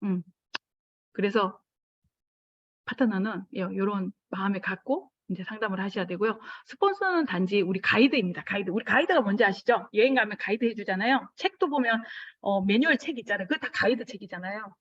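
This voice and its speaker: A middle-aged woman giving a lively motivational business talk, acting out little scenes of dialogue with sudden jumps in pitch. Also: fairly quick, no echo, highs cut off.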